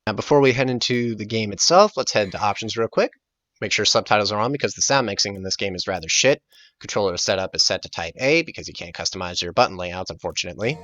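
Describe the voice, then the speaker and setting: A man's voice: fairly low pitch, pushed and bright, no echo, dull audio. A man hosting a video game Let's Play with showy, sarcastic, scripted commentary. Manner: playful, sarcastic, showy intro delivery. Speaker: host of a Let's Play series.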